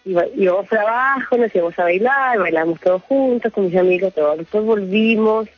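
A woman's voice: medium pitch, brisk, breathy edge, no echo. A Chilean woman calling into a radio show by phone, telling a rambling story with frequent laughs. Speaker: caller. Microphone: phone call. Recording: muffled phone line with faint music.

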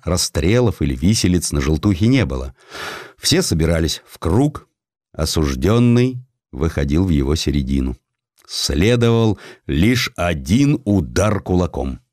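A man reading historical sketches as an audiobook narrator, in an expressive, deliberate, dramatic storytelling style. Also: low-pitched, dry recording, clean studio sound.

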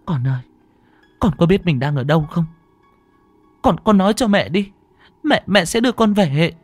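Grief-stricken mother voiced by a man, strained outcries, pitched up. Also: lively intonation, normal speed, no room sound, soft background music. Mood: pleading. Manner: crying out, strained and urgent. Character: grieving young mother, desperate and enraged. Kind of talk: horror storytelling.

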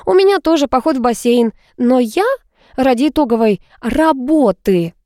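A woman's voice: high-pitched, expressive, a little fast, no echo, studio quality, pitched above the performer's own voice. A woman playing a snappish stubborn young student. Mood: bossy, stubborn. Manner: snappish, sharp-tongued.

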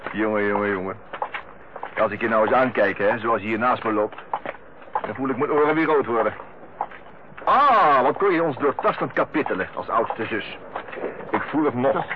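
An actor playing a lighthearted, teasing youngest brother in a Dutch radio play, with a jovial, bantering manner. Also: male voice, medium pitch, animated, normal speed, long pauses, close to an everyday voice. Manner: jovial, bantering, chuckling way of talking. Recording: dull, noisy old radio play recording.

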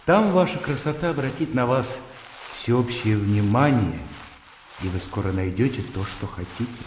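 Actor doing a courteous older-brother-ish gentleman, gently condescending, echoey hall, faint hiss. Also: mid-range voice, normal speed, close to an everyday voice. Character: courteous, worldly gentleman suitor, slightly patronizing. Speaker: gentleman Polkanov. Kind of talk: radio drama acting. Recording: roomy reverb with faint hiss.

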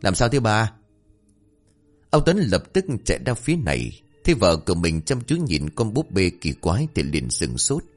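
A man narrating a horror story dramatically, swinging between tense and hushed delivery. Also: low-pitched, huge pitch swings, normal speed, few pauses, faint music behind.

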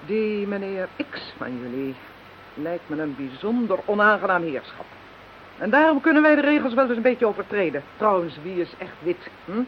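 A woman's voice: medium pitch, animated, normal speed, lightly acted. An actress playing an eccentric, self-assured white witch in a radio play, speaking emphatically and theatrically. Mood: confident. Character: eccentric, self-assured white witch named Maria, solemn when incanting. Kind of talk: Dutch radio play acting. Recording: dull, slightly hissy radio drama recording.

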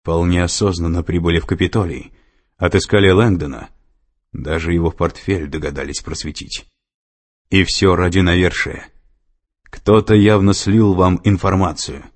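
A man's voice: deep voice, fairly even intonation, measured pace. A man voicing a defiant older man under arrest, angry and stubborn in manner.

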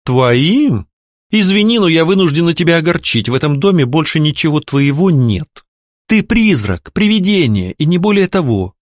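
A man voicing a sharp-tongued young woman who mocks and scolds her ghost ex-husband. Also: a little high, sing-song, normal speed, no room sound, clean studio sound, voice pushed up. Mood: mocking. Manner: mocking, scolding, ironic. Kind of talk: audiobook character voicing.

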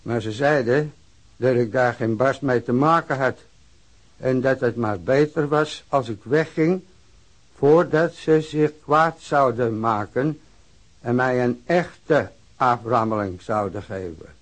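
An actor playing an aggrieved, down-and-out middle-aged labourer who drinks, telling his story in halting, plain words for a radio drama. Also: mid-range voice. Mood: aggrieved, plodding. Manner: halting, plain-spoken, simple repetitive phrasing. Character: aging down-and-out working-class drinker recounting police beating, aggrieved. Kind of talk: radio drama monologue, letter of complaint.

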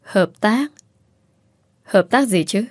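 A woman's voice: mid-range voice, lively intonation, slow pace, dry recording, clean studio sound. A woman voicing a stubborn, domineering mother-in-law who nags insistently. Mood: worried. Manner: nagging, insistent.

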